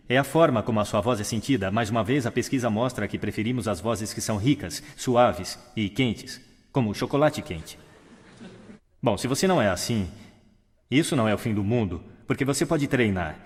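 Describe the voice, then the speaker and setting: A man giving a stage talk on how to speak, showing changes of register, pace, pitch and volume as he goes. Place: large hall with audience. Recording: long hall reverb.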